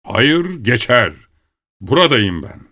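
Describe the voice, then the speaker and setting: A man's voice: medium pitch, sing-song, takes it slowly, sharp tone, pitched above the performer's own voice, heavily acted. A man voicing a pompous, indignant old dead general in an audiobook, talking in a stiff, blustering way. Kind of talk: audiobook character reading.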